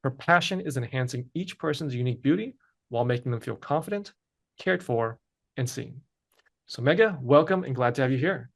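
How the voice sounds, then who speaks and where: A podcast host reads a scripted guest introduction steadily, then moves on to asking interview questions. His mid-range voice is brisk and gravelly.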